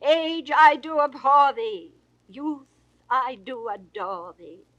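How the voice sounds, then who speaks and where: Older actress for classical verse: high, bright tone, theatrical swells and hushes, dry vintage studio. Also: female voice, animated, takes it slowly, no room sound, muffled recording. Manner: grand theatrical delivery with sweeping swells and hushed falls. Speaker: poetry reader. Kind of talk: classical dramatic verse reading. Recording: dry 1960s studio recording.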